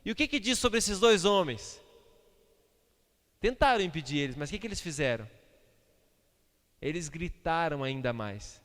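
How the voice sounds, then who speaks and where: A man, preaching a sermon as pastor, swinging between loud outbursts and hushed asides. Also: fairly high pitch, big pitch swings, moderate pace, long pauses. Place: church sanctuary. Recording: reverberant church hall.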